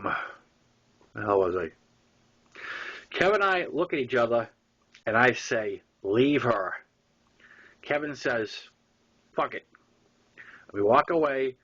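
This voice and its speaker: A man with a Boston accent reading his own story aloud in an informal way, with halting, emphatic repeats and wry asides. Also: medium pitch, animated, fairly bright tone. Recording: dull lo-fi audio.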